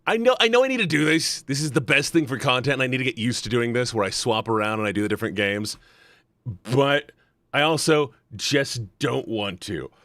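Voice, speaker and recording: A man's voice: mid-range voice, lively intonation, fairly quick, bright, forceful tone, no echo, clean studio sound. A man talking casually on a livestream, rambling earnestly and bluntly and repeating himself for emphasis. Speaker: live streamer.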